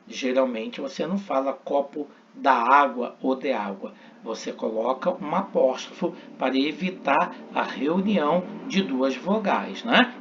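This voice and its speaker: A male teacher speaks slowly and deliberately, his fairly high voice rising and falling a lot as he spells out each word for students to repeat. The recording is dull and lo-fi. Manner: slow, deliberate, repeats words for practice. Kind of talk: recorded language lesson.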